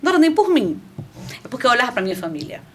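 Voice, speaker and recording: A middle-aged woman appearing as a podcast guest tells her faith testimony in an animated, conversational way, speaking very fast at a fairly high pitch. She often restarts phrases and makes asides to her listeners. The podcast studio recording has slight background noise.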